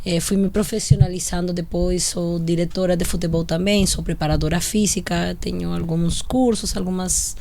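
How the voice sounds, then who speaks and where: A woman's voice: lowish voice, steady tone, normal speed, creaky, few pauses, dark tone, a little hiss or hum. A woman from Chile, a native Spanish speaker with a Chilean accent, telling her career story as a guest on a podcast, chatty with some restarts. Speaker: football coach, guest. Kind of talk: casual podcast interview.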